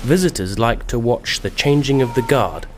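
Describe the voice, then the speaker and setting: A man reading a slow, clear, scripted narration for English learners. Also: medium pitch. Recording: narration over loud music.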